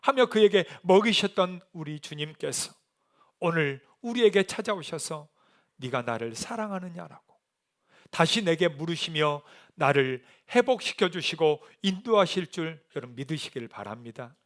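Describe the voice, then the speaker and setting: A male pastor preaching a sermon. He moves from soft, hushed reflection to loud, rising appeals to the congregation. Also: a little high, lively intonation, moderate pace. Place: church sanctuary.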